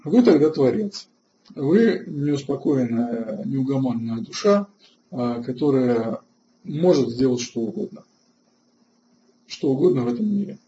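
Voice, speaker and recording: A man hosting an online webinar lecture, halting with filler sounds and restarts, and answering chat questions between points. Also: medium pitch, lively intonation, dark tone, dull audio, a little hiss or hum. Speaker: webinar host.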